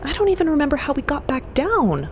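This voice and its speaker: A woman playing a soft-hearted, candid adventurer in an audio drama, with an informal, hesitant, earnest way of talking. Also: sits high, wildly swooping pitch, fast, slight background noise, pitched above the performer's own voice.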